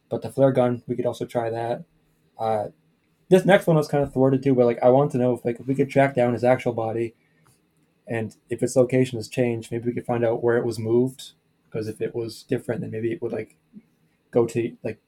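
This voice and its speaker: A man's voice: medium pitch, warm tone. A man on a podcast, a tabletop player, talking through a list of ideas in a hesitant, casual way.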